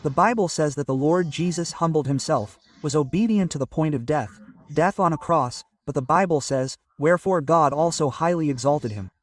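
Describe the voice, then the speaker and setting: Man, pastor, measured sermon delivery, slightly high voice, dry and a bit off-mic. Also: no echo, far from the mic. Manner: measured preaching with scripture citations.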